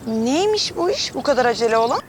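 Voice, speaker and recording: An actress playing an earnest, excitable young woman, a little sister who loves to draw. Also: high-pitched, fast talker, slight background noise. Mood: worried. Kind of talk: TV drama acting. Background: music.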